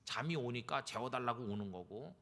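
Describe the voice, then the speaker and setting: A man's voice: medium pitch, expressive, moderate pace, bright, forceful tone. A man preaching a sermon as a pastor, speaking emphatically and rising to fervent appeals. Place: church sanctuary. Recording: long church reverb.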